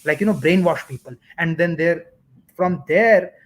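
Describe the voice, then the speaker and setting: A man joins the chat as a guest, speaking in a fairly high voice. His thoughts come out in loops of "like, you know". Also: unhurried. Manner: constant "like, you know" fillers. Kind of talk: casual commentary chat.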